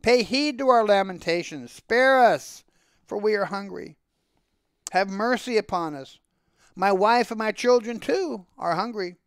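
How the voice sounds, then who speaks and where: Storybook pious Jewish milkman, played by a man, high-pitched, wry, pleading, declamatory, very dry close sound. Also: a little slow, a bit bright, clean tone, no echo. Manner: declamatory, rhetorical.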